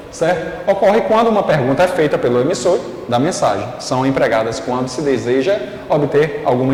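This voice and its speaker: Man, teacher, patient explainer, slightly high voice, reverberant room. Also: a little mellow. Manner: patient, explanatory, checks in often with "certo?" and "ok?". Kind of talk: recorded online class. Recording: echoey room with long reverb.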